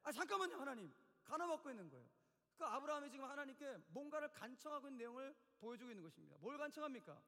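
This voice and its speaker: A male pastor preaching a sermon in a church, telling the story in an animated way and acting out the quotes. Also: very high-pitched, rapid-fire. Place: church sanctuary. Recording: long church hall reverb.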